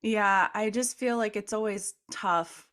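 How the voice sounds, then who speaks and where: A woman's voice: medium pitch, unhurried, a bit bright. A woman co-hosting a casual chat podcast, playful and jokey, with frequent fillers. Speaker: podcast co-host.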